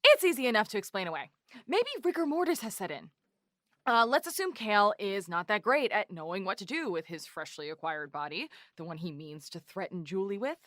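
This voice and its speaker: A woman's voice: medium pitch, expressive, a little fast, a bit bright, no echo, studio quality, close to an everyday voice. A woman playing a blunt, teasing podcast co-host in an audio drama. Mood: matter-of-fact. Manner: teasing, matter-of-fact. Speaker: true-crime podcast co-host.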